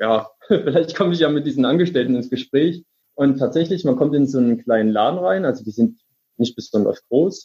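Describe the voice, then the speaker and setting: Intonation stays lively as a man speaks. He moves at a fairly quick pace. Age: 20s. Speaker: private investor, former construction worker. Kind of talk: casual chat. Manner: hesitant, many filler sounds.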